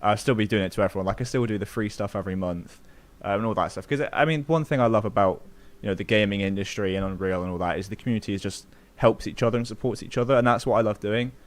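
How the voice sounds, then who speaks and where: A man hosting a casual live-stream Q&A about game development, talking in a relaxed, friendly way with quick asides. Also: lowish voice. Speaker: YouTube tutorial creator, stream host.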